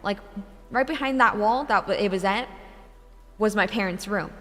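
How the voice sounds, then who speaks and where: A young woman streamer telling a true ghost story in casual, animated speech, swearing often and filling with "like". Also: medium pitch, normal speed. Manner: animated, swears a lot, many filler likes. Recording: long reverb, faint music behind.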